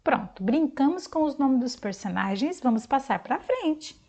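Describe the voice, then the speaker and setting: Slow, lively Brazilian woman teacher. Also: high voice. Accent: Brazilian Portuguese. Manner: slow, sing-song teacher talk, clapping out syllables. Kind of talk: recorded video lesson for young children.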